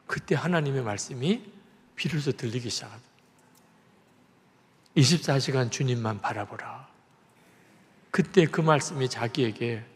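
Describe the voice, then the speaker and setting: A male pastor delivering a revival sermon as dramatic storytelling, swinging between loud and soft. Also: mid-range voice. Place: large church sanctuary. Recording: echoey church hall reverb.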